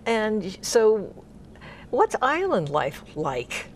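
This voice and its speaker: A woman's voice: mid-range voice, wildly swooping pitch, slow, a little hiss or hum. A woman hosting an interview show, chatting effusively and interjecting often with her guest. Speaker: host. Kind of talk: casual interview chat.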